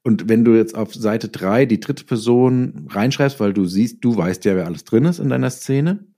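Male writer as interview guest, low relaxed voice, explains casually through examples. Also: moderate pace. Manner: explains with hypothetical examples and acted-out quotes. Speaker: interviewed writer and audio drama maker.

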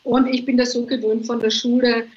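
A woman's voice: fairly high pitch, level tone, brisk, darkish tone. An older woman from Vienna, a guest author chatting in a remote interview and filling her thoughts with ums. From Vienna, Austria. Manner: chatty, thinks aloud with many fillers. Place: at home on a holiday island, remote. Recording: dull lo-fi remote line.

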